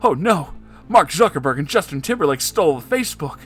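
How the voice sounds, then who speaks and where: A man voicing a frantic young male sidekick in a high, pleading, overwrought tone. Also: wildly swooping pitch, moderate pace, fairly bright tone, faint music behind. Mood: panicked.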